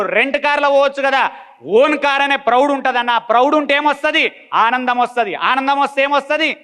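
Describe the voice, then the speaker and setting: Blunt, high-voiced motivational speaker. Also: male voice, bright, forceful tone. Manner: blunt, repetitive, rhetorical questions. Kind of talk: motivational talk.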